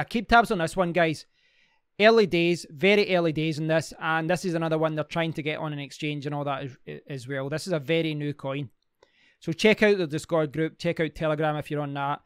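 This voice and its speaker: Chatty man with a smooth, higher voice. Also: dry recording, clean studio sound. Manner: chatty, rambling, many fillers and restarts. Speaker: crypto mining channel host. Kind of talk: casual screen-share walkthrough.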